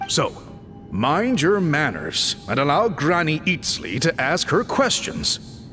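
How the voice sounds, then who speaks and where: A stern, courteous tribal chief from a fantasy game. He speaks formally and with measured authority, his pitch moving very expressively. His voice rings in a long reverb, with music behind. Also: huge pitch swings, sharp tone, full character voice. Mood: firm, diplomatic. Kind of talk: scripted fantasy game voice acting.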